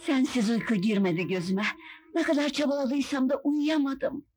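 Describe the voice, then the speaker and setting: High-voiced, devoted, emotional wife. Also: female voice, moderate pace, a little mellow, soft background music. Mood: tender. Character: devoted, emotional young wife and protective mother. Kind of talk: old Turkish melodrama film acting.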